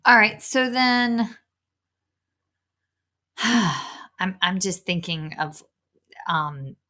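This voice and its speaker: A woman's voice: lowish voice, animated, extremely slow, bright, forceful tone. A woman hosting a podcast, asking questions in a chatty, self-deprecating way. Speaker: podcast host. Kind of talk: conversational podcast interview.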